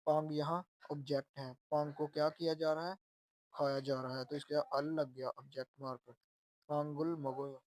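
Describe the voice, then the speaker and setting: A man's voice: on the high side, level tone, moderate pace, a little mellow, no room sound. A man teaching Korean, patiently explaining phrases word by word. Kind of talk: explaining Korean exam lessons.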